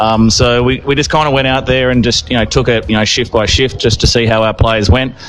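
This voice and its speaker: A man with an Australian accent, medium pitch, fairly quick pace and fairly even intonation, with music in the background. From Australia, Perth. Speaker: ice hockey team captain. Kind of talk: interview. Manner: halting, many fillers.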